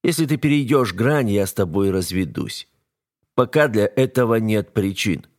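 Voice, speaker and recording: A man's voice: fairly low pitch, expressive, moderate pace, lightly acted. A man voicing a cold, domineering heir to the throne who issues level, menacing warnings. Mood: commanding. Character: cold, domineering male heir, the narrator himself.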